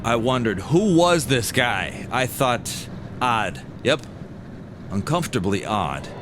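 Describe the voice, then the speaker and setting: A man narrating a scripted personal story with dramatic pauses and wry amusement, as a storyteller recalling his own past. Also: mid-range voice, sing-song, background noise. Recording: music behind the voice. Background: music bed.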